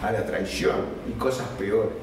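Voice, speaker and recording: A man's voice: fairly low pitch, steady tone, unhurried, crowd noise. A man teaching a literature workshop, reading notes aloud and breaking off into conversational asides and questioning tags to his class. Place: echoey classroom with students. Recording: echoey room, distant mic, faint noise.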